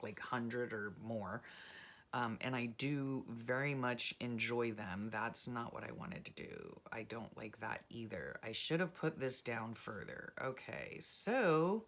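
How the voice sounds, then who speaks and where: A woman vlogger chatting casually and rambling softly while she works on a journal craft. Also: extremely low pitch. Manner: soft-spoken, rambling, self-deprecating, many fillers. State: frog in her throat.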